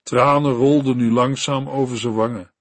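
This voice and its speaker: A man reading a devotional story and sermon for a radio Bible program, in a slow, earnest storytelling manner. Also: medium pitch, fairly even intonation, dry recording.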